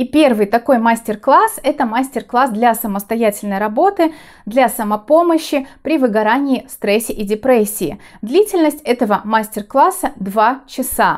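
The background is quiet. A woman speaks at a fairly slow pace. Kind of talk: promotional announcement to camera. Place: home room. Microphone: lapel.

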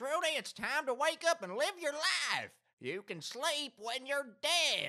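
The speaker talks at a fairly slow pace in a high pitch. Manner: blunt, fatherly.

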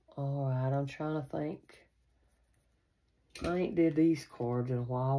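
A woman talks at a moderate pace with ordinary pitch variation over loud background noise. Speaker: tarot card reader. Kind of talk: casual reading chat to viewers. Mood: reassuring, light laughter. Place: home room. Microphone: phone near.

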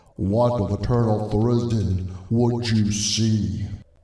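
A man in a put-on character voice booms at a fairly slow pace, his fairly low pitch held in a flat monotone with a slight echo. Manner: solemn, commanding.

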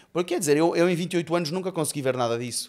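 A man's voice against a quiet background. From Portugal. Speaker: reality show winner; podcast guest. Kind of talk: casual interview chat. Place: studio. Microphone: studio mic.

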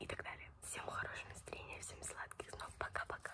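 A woman whispers at a fairly quick pace. Her tone is gentle. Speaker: ASMR creator. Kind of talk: soft ASMR chat. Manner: gentle whispered goodnight. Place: home room. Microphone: phone near.

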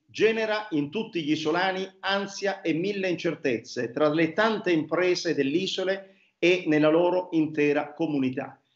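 Against a quiet background, a man talks at a moderate pace, his pitch varying in an ordinary way. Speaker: interview host. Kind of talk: news program introduction. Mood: formal, concerned. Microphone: video call.

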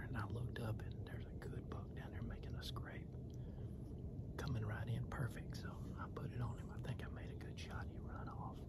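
Loud background noise runs under a man's voice. He talks at a fairly quick pace, and the sound is dry with no echo. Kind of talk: casual vlog chat. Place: forest. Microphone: phone near.

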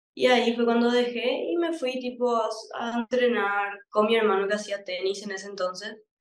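A woman talks at a fairly quick pace, and the room's echo is audible. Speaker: interviewee. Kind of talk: interview answer. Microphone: video call.

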